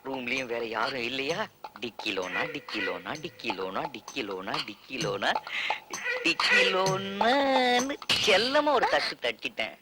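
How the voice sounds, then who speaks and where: An actor playing a flustered young newlywed husband in a film comedy, wheedling and quick to panic. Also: male voice, mid-range voice, big pitch swings, loud music behind the voice. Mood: sheepish. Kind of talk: 1990s Tamil film comedy acting.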